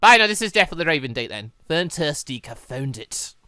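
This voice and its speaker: A man gives casual commentary for a gaming series in a bright voice recorded very dry. His pitch moves around a lot. He rambles and hesitates, working out his thoughts as he speaks. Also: very animated, quick pace, dry recording. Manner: rambling, hesitant, thinking aloud. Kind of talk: casual let's-play commentary.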